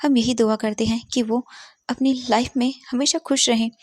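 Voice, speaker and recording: A woman's voice: a little high, fairly even intonation, moderate pace, a little mellow, dry recording, clean studio sound, close to an everyday voice. A woman voicing a group of humble household servants who speak plainly and apologetically. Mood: apologetic.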